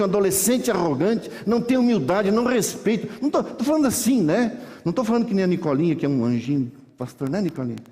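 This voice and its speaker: A middle-aged man preaches from the pulpit. His fairly high voice tells homely stories with lively energy and acts out the people in them. Long reverb from the church hall trails every line. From Brazil. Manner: animated folksy storytelling, acts out voices. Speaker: pastor. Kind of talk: sermon.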